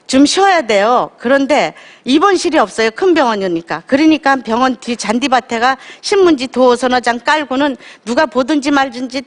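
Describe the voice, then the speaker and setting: A woman's voice: fairly high pitch, big-room sound. A woman giving an emotional, conversational lecture about her own life on stage. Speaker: lecture guest speaker. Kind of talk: emotional personal storytelling lecture. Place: lecture stage before an audience.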